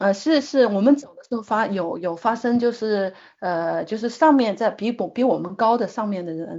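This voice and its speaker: Her speech has lively intonation at a moderate pace. The woman has a normal speaking voice with fairly high pitch. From China, Guizhou province. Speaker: paragliding and hiking enthusiast. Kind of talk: casual interview chat.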